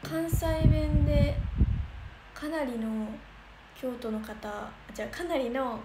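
A bubbly young woman from Kansai chats to her viewers, her voice sitting a little high. She rambles with lots of fillers and reads out comments. The room sounds echoey, with a clear hiss of noise behind her. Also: slow. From Kansai region of Japan. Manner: chatty, bubbly, thinks aloud with many fillers. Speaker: idol livestreamer. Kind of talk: casual livestream chat reading comments.

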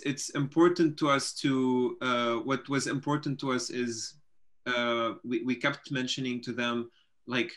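A man in his thirties with a Lebanese accent, a filmmaker giving casual explanations in an interview on a video call, halting and repeating words. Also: medium pitch, a bit bright. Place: home room with bookshelves, video call. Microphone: computer microphone on video call.

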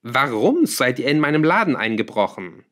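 A man voicing a sharp, defiant young male apprentice in an audiobook, asking pointed questions. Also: mid-range voice, big pitch swings, moderate pace. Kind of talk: audiobook character voice.

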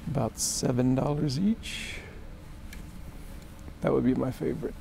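A man's voice: mid-range voice, steady tone, measured pace, creaky, warm tone, slight background noise. A middle-aged man talking casually to a handheld camera as he walks around, making wry asides to the viewer. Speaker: travel vlogger. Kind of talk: casual walking vlog narration. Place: outdoors on rainy town streets and inside a shop. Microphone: handheld camera at arm's length.

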